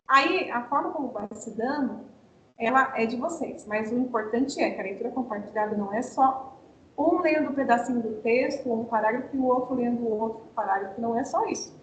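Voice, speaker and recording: A Brazilian woman explains classroom methods to teachers over a video call, asking questions and then answering them herself. Her voice sits a little high. The sound is roomy and echoey, with a faint low rumble underneath. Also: fairly quick. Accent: Brazilian Portuguese. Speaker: teacher trainer. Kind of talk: online teacher training talk.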